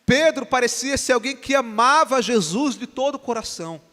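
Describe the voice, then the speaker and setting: A man from Brazil, a pastor, preaching an animated sermon in a church and acting out the dialogue of the story. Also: very high-pitched, normal speed. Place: church sanctuary. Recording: long church reverb.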